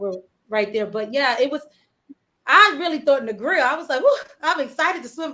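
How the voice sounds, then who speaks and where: Speaking in a raised, projected voice with an American accent, a woman sounds high-pitched, bright and sharp, her animated tone and lively intonation moving at a fairly quick pace broken by long, frequent pauses. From New York. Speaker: international English teacher. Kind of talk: interview conversation. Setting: live stream.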